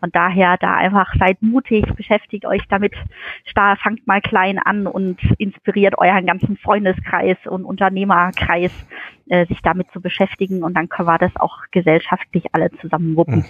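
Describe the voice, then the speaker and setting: With an ordinary speaking voice, a woman talks at a moderate pace at a medium pitch, her intonation fairly even. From Germany, Kraichgau (Baden-Württemberg). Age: 30s. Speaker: sustainability consultant and business owner. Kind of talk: podcast interview.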